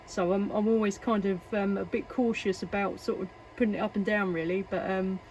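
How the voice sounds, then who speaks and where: A woman's voice: medium pitch, steady tone, fairly quick, a little mellow. English lady doing cb radio chat, chatty n a bit hesitant, static in the background. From England. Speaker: CB radio operator and video maker. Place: workshop at home. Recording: noisy, radio static and hiss.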